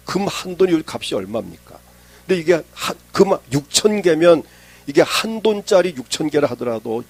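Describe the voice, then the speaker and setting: A middle-aged male pastor preaching a sermon, retelling a Bible story and acting out the characters' lines, with sudden loud emphasis and hushed low phrases. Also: no echo.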